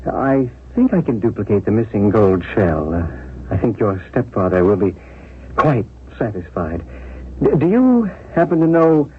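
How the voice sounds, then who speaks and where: An actor playing a courteous, earnest small-town jeweler with halting, measured delivery in a 1970s radio drama. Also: male voice, fairly low pitch, very animated. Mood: shaken, halting. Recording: muffled vintage radio recording, faint noise.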